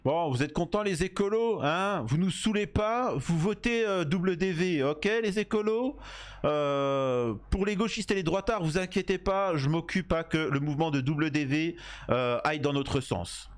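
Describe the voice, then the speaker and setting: A man's voice: on the high side, measured pace. A man with a French accent giving casual, slangy, opinionated commentary and speaking straight to his viewers. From France. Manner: familiar, opinionated, addresses viewers directly. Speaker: commentator reacting to interview clips.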